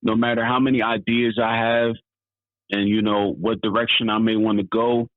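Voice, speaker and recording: A man's voice: on the low side, level tone, normal speed, dry recording. A man in his thirties chatting casually as an interview guest. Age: 30s. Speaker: interview guest, author and entrepreneur. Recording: thin phone-like, band-limited line.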